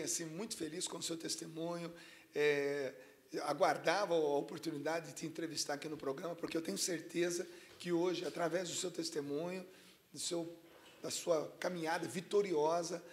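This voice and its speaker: Raspy-voiced TV host, gravelly and emphatic. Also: male voice, fairly high pitch. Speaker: TV program host.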